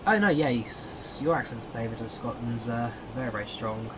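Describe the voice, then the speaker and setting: A man's voice: medium pitch, a little fast, background noise. A man with an English accent giving casual live-stream commentary on a flight simulator, thinking aloud and answering chat viewers.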